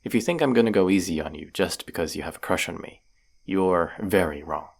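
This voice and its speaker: A man's voice: deep voice, fairly quick, vocal fry. A man playing a stubborn, injured vampire hunter in an audio drama, grumbling sarcastic banter. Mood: teasing, defiant. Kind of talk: scripted roleplay audio drama.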